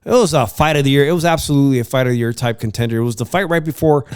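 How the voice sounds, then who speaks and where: A man's voice: mid-range voice, very fast, a little mellow, clean tone, no room sound, clean studio sound. A congested man hosting a sports podcast, chatting casually about baseball and boxing, rambling with many uhs and restarts.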